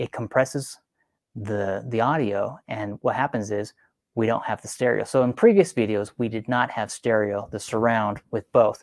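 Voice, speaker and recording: Soft-spoken and at a medium pitch, a man talks at a moderate pace with fairly even intonation, in a dry, close recording with no echo and a silent, very clean background. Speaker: piano teacher. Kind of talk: live-stream piano tutorial. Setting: live stream.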